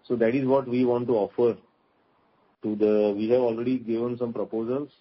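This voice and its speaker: Man, Indian accent, husky voice, executive answering questions, explanatory, muffled call audio. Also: medium pitch, level tone, a little fast. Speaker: company executive answering investors. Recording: muffled, dull conference call line.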